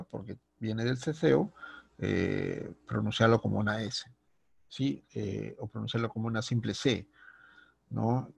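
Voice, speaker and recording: Gravelly Latin American teacher, dry sound. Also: male voice, mid-range voice, dry recording. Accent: Latin American Spanish. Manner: checks in often with listo and no; lists example words slowly, stressing the sounds. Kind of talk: recorded online spelling lesson.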